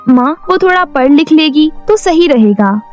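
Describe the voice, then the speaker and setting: Meek cartoon stepdaughter, voiced by a woman, high, gentle, pleading. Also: lively intonation, normal speed, soft background music. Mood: earnest. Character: meek hardworking stepdaughter, young girl. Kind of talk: cartoon voice acting.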